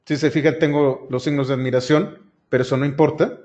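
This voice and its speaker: Explaining code step by step to his students, a male programming instructor narrates a screen-recorded lesson in a medium-pitched, slightly mellow voice. He talks fairly quickly with a steady tone, and the audio comes across dull and lo-fi.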